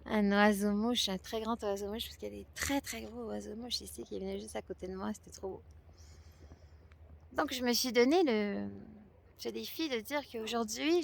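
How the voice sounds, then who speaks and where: A woman's voice: medium pitch, creaky. A woman from France and Quebec with a Québécois French accent, hesitantly talking through a personal experience to camera outdoors. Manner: hesitant, many pauses and fillers. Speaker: vlogger sharing a fasting experience. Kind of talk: reflective personal talk to camera. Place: outdoors at a spot near hummingbirds.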